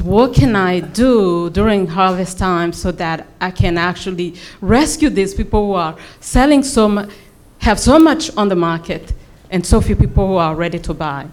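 A woman's voice: medium pitch, a little mellow. A woman from Burundi with a Burundian accent, making earnest, explanatory spontaneous remarks as an audience member at a public forum. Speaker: audience member asking a question.

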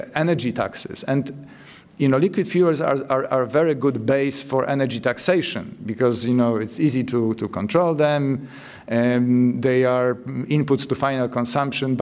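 Halting man explaining carbon pricing. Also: medium pitch, a little mellow. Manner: halting, repeats words while building an argument. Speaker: panelist. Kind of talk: policy panel discussion.

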